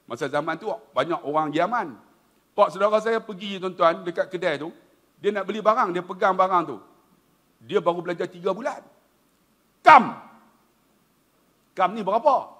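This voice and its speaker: A middle-aged man with a Malaysian Malay accent giving a humorous religious lecture, telling stories and often addressing his audience directly. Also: high voice. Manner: animated storytelling, addresses audience as tuan-tuan. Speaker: preacher.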